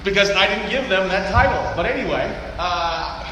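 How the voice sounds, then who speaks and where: Brash, joking seminar speaker, male, fairly high voice, booming hall with room noise. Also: moderate pace. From Texas. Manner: loud, joking and brash, swears casually. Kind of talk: live seminar talk to an audience. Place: large conference hall. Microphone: handheld or stage mic through PA. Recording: echoey hall, noisy room.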